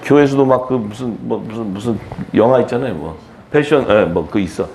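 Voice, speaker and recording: A man preaching in a chatty, animated seminar style, acting out quotes in a raised voice. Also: on the low side, brisk, vocal fry, echoey room, a little hiss or hum. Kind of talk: conversational sermon seminar.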